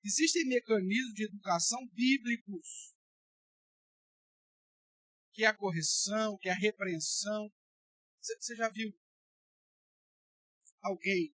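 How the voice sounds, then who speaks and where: A man with a Brazilian Portuguese accent, a pastor teaching a Bible study, gives an emphatic, colloquial sermon and speaks bluntly to his listeners. His voice is high-pitched and a bit bright, with no echo.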